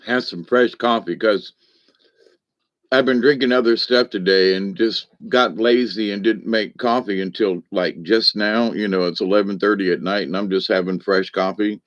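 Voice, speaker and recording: A man's voice: fairly low pitch, fairly even intonation, moderate pace, lo-fi sound. A man hosting a livestream as a shaman, talking in a folksy, meandering way with many asides to his viewers. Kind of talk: rambling spiritual talk to viewers.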